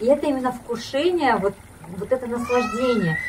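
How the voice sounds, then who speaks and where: Over light background noise, a woman talks at a moderate pace in a high pitch with lively intonation. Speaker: retreat participant and practitioner. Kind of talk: testimonial interview. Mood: calm, reflective. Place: garden. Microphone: lapel.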